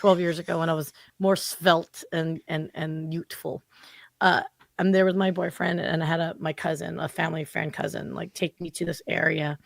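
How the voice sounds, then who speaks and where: Her voice sits low, with vocal fry and an ordinary pace, and there's no room sound around it. She's a woman in her forties, a marketing consultant guesting on a podcast, and the interview chat is casual, animated and full of "like" fillers.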